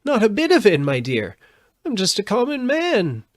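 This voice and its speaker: Man acting little old wizard, trembling, meek, pleading, high swooping pitch, storybook character. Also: huge pitch swings, moderate pace, dry recording, clean studio sound. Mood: meek, hushed.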